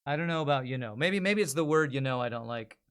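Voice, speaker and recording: A man's voice: medium pitch, lively intonation, fast talker, fairly bright tone, smooth. A man in casual livestream chat, thinking aloud and critiquing his own work as an amateur voice actor.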